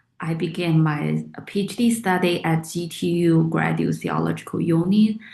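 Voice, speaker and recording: With a Chinese accent, a woman talks at a fairly slow pace. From China. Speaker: theology doctoral student. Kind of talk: interview. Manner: halting with fillers.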